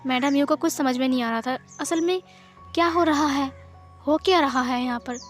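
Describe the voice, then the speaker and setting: A woman's voice: high voice, normal speed, soft background music. A woman narrating a fan fiction story in a plain, conversational way.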